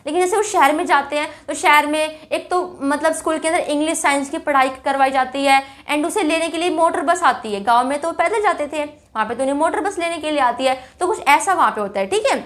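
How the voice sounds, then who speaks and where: A young woman with a high, bright voice teaches an English chapter in Hindi. She talks in a chatty way, keeps checking in with her students, and reads English lines slowly before explaining them. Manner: chatty, calls students "bhai", keeps checking with "theek hai".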